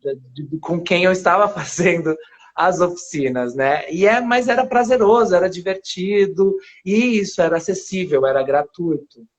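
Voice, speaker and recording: A man's voice: high-pitched, normal speed. Man from Paraíba with a São Paulo accent. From Paraíba, Brazil. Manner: rambling, with many restarts and soft laughs. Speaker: guest actor. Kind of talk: casual interview on a live stream. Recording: dull lo-fi live stream audio.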